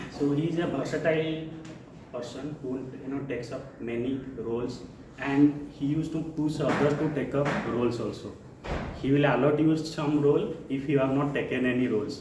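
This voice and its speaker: A man with an Odisha accent speaks at a moderate pace in a fairly high pitch for a man, his intonation fairly even, with audible room echo and noticeable background noise. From India, Odisha. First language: Odia. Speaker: club meeting officer. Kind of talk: meeting opening remarks.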